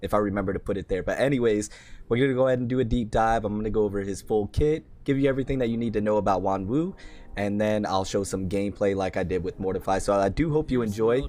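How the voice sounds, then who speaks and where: Gaming host, man, voice shot and hoarse, low-ish, casual rambling guide talk. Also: quick pace, darkish tone. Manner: chatty, rambling, self-deprecating. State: hoarse, worn-out voice. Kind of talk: casual game guide commentary.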